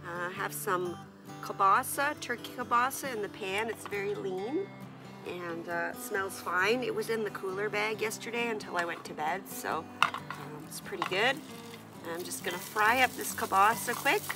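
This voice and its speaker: Holding the camera at arm's length, a stuffy-nosed middle-aged woman chats about camping alone, moving between a lakeside campsite and her tent. She speaks at a moderate pace in a mid-range voice, full of ums and uhs, on a rough recording with music underneath.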